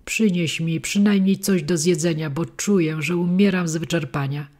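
A woman's voice: on the low side, normal speed, a little mellow, lightly acted. A woman voicing a cold, desperate wooden puppet boy who begs urgently, in a storybook reading. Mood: pleading. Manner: pleading, urgent.

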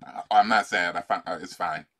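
Bright-voiced older man coaching, laughing. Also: low voice, fairly even intonation, gravelly. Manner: playful, laughing, halting with many fillers. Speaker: life coach. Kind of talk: guiding a tapping session on a video call. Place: home room. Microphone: video call.

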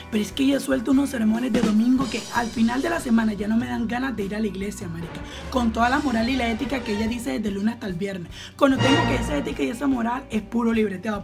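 Colombian woman, gravelly voice, sarcastic reaction commentary, music under the voice. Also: fairly high pitch. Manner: outspoken, gossipy, sarcastic, swears freely. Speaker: reaction vlogger. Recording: clear background music. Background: music playing.

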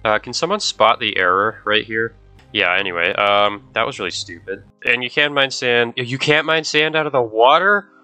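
Over faint background music, this gaming host speaks in a mid-range voice at a moderate pace, bright and forceful yet smooth. He's a young man whose cold leaves him stuffy and nasal, and he chats loosely with his audience during gameplay, getting sidetracked easily.

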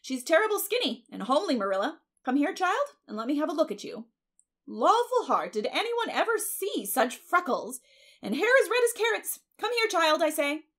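Woman playing a high, emphatic village busybody. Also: very animated, normal speed, a bit bright. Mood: blunt, critical. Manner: emphatic, blunt, indignant. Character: outspoken, disapproving, self-important middle-aged village busybody woman.

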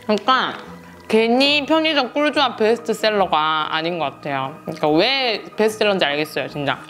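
A woman's voice: medium pitch, lively intonation, brisk, fairly bright tone, soft background music. A young woman hosting a food tasting vlog, talking casually to viewers while chewing with her mouth full. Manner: chatty, addresses viewers directly. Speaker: food show host.

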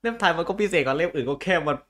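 A man's voice: fairly high pitch, expressive, very fast, a bit bright. A man explaining things in casual chat as a co-host, hesitant and often repeating his words.

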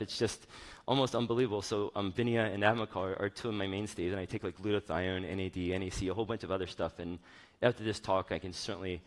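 A middle-aged man giving an informal, personal conference talk on stage in a conversational, rambling way. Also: fairly low pitch. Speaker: chief medical officer giving a keynote.

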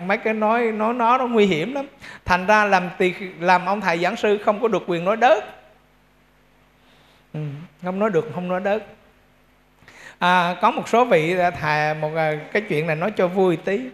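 A man's voice: sits high, fairly bright tone. A male Buddhist monk with a Central Vietnamese accent giving a dharma talk in a temple hall. He talks conversationally, checks in with his audience and adds humorous asides.

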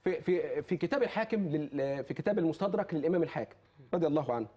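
Man, Egyptian accent, talk-show guest. Fervent preacher who quotes scripture, high voice, rapid delivery. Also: expressive, mellow. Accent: Egyptian Arabic. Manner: impassioned, quotes scripture, repeats oaths. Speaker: charity foundation guest.

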